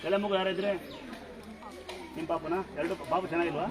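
A man with a Kannada accent, a temple priest instructing and blessing devotees at a fast, forceful pace. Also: on the high side, fairly even intonation. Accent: Kannada, Karnataka. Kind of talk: loud public address to devotees. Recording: loud crowd behind.

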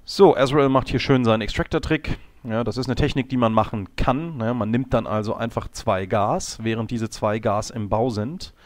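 A man with a slight cold and a slightly hoarse voice, explaining a game replay calmly, often pausing on fillers and correcting himself. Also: mid-range voice, no room sound. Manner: calm, explanatory, with frequent fillers and self-corrections. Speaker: game coach. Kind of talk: instructional commentary over a game replay.

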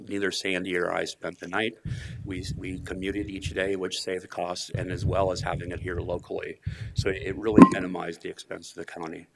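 A middle-aged man presenting a county department budget at a public meeting, polite and measured, speaking into a podium mic. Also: deep voice, gravelly, noisy background. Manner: measured, polite, uses fillers. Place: county commission meeting room.

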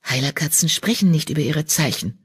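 Woman voicing a soft-spoken, soothing she-cat healer. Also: low voice, animated, fairly quick, slightly rough, full character voice. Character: calm, kind young female medicine cat. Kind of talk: audiobook character voice.

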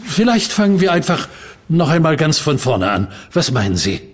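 An actor playing an impatient widowed gentleman at a séance, formal and irritable, breaking into stammers. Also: a little high, big pitch swings, normal speed. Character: uneasy, impatient widowed gentleman client, growing frightened. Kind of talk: radio play acting.

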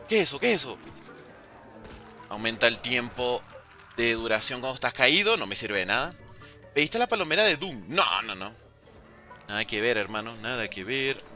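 A man's voice: medium pitch, moderate pace, faint music behind. A man streaming a zombies game live, talking to his chat, thanking donors and yelping in alarm when things go wrong. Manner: excitable, yelps and repeated cries of alarm; chatty with viewers, thanks donors. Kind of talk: live gameplay commentary, reading chat.

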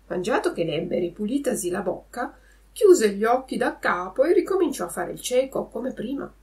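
A woman's voice: a little high, sing-song, normal speed, darkish tone. Woman reading a storybook aloud. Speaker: podcast host reading a children's classic. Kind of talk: storybook read-aloud narration.

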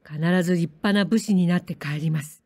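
Storybook samurai boy, earnest, proud, low and restrained delivery, as a woman reader plays him. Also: normal speed, dark tone, no room sound, natural voice. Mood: tearful.

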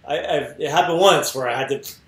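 Talking fast in a fairly high, slightly bright voice, this thirtysomething man co-hosts a fitness podcast, sincere in tone yet casually profane. He's on a video call through an earbud mic, indoors in a bookshelf-filled home room with noticeable echo.

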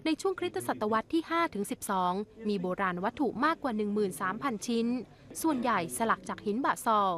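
A woman news reporter reading a scripted royal news report in a formal, measured way. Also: a little high, animated, a bit bright.

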